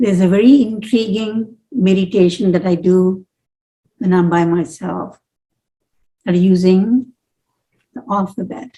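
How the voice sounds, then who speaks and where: A woman's somewhat breathy voice, dark and mellow in tone, with long, frequent pauses. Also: medium pitch for a woman, ordinary pitch variation, fairly slow pace. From South India. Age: 70s. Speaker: meditation teacher. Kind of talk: spiritual talk.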